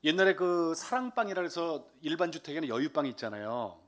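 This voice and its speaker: Lively storyteller man, bright voice. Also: a little high, fairly quick. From Seoul. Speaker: lay deacon giving testimony. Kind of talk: humorous church testimony. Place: church service.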